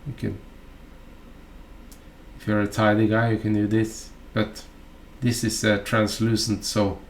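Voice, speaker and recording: A man from Norway guides a fly-tying tutorial with a Norwegian accent, chatting haltingly and dropping in fillers and tangents. His pitch is fairly low, his delivery completely flat, and a little hiss or hum runs through the recording.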